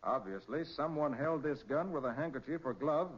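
Commanding old-radio detective, methodical, clipped, a bit husky, muffled vintage sound. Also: male voice, fairly high pitch, animated, moderate pace. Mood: crisp, assured. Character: brisk, authoritative male master detective, methodical and assured. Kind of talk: 1940s radio crime drama acting.

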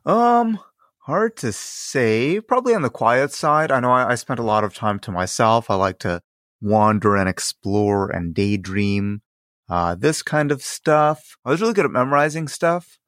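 A man in his thirties, raised in Ohio after an early childhood in Ukraine, talking thoughtfully as a podcast guest and often trailing off softly. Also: medium pitch, expressive, measured pace, no room sound, clean studio sound. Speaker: guest, circus performer. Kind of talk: casual interview chat.

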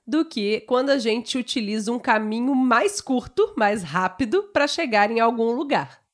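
A woman's voice: fairly high pitch, animated, moderate pace. A Brazilian woman co-hosting a Portuguese lesson, explaining in a friendly, chatty way and telling a short story. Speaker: co-host of a Portuguese lesson channel.

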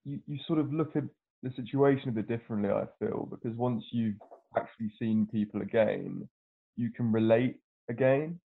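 Earnest man, gravelly voice, tinny call. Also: medium pitch, moderate pace. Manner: earnest, stammering restarts. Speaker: podcast co-host. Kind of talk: casual chat over video call. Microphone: video call. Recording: tinny phone-like video call audio.

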